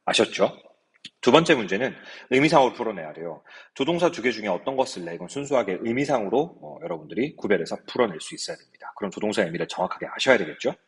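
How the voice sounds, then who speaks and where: A man's voice: lowish voice, very animated, fast talker, husky, big-room sound. A man teaching an English grammar lecture, explaining step by step and asking his students rhetorical questions. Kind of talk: recorded lecture.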